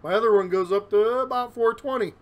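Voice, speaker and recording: Man, home vlogger, rambling and self-deprecating, higher-pitched voice, a touch winded, self-shot on a phone. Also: fast talker. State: a little out of breath. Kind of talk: casual solo vlog. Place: his home. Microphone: phone camera, recording himself.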